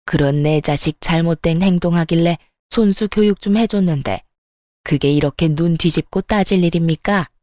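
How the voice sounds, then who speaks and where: A woman puts on a spiteful middle-aged mother-in-law from a dramatized story, dropping her voice lower and dragging out her scolding lines. The tone is mellow and dark rather than bright, heard dry and close with no room around it. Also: steady tone, normal speed, dry recording, close to an everyday voice. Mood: sneering. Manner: sneering, berating.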